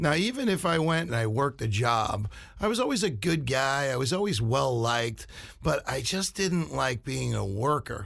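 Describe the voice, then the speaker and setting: A man in a New Jersey accent speaks at a medium pitch with very even loudness. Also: moderate pace, very clean recording, silent background. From New Jersey, Hudson County. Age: 50s. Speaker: entertainer and business owner. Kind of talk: interview.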